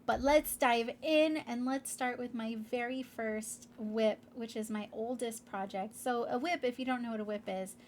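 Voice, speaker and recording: A woman's voice: a little high, a little hiss or hum. A woman hosting her crafting vlog in a casual, rambling way, congested and a bit nasal. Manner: rambling, with many fillers. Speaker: crafting channel host.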